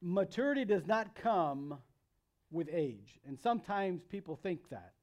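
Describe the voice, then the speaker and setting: A man's voice: high voice, very animated, measured pace, darkish tone, lo-fi sound. A man in his thirties with an American accent gives a sermon to young people as their pastor, conversational and emphatic, repeating phrases for emphasis. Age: 30s. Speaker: youth pastor preaching.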